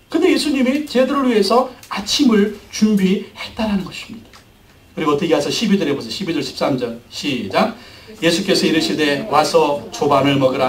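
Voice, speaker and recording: A man preaching a Sunday sermon with a bright, high voice. He slips into playful scolding character voices to tell the story. The sound is roomy and a little distant, as if picked up across a church hall. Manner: lively, acts out Jesus scolding Peter with humor. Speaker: pastor. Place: church sanctuary.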